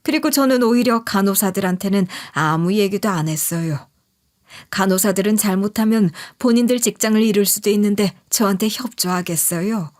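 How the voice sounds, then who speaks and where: A woman's voice: mid-range voice, a little fast, darkish tone. A woman reading a scripted first-person story, addressing listeners in a conversational, confiding manner. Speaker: story narrator.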